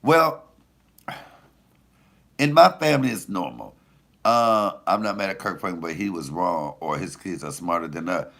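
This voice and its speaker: A middle-aged man with a deep voice, a comedian chatting casually and profanely with viewers on a livestream. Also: moderate pace, vocal fry, long pauses. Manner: animated, loose and profane storytelling.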